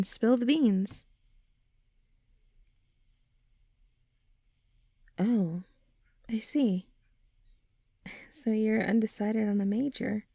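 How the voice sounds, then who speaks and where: A young woman playing a supportive teenage girl in an ASMR roleplay, talking gently and informally as a caring best friend. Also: medium pitch, creaky, dry recording, studio quality. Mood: concerned, coaxing. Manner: gentle, reassuring, informal, often sighing or softly laughing. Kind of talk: ASMR roleplay audio drama.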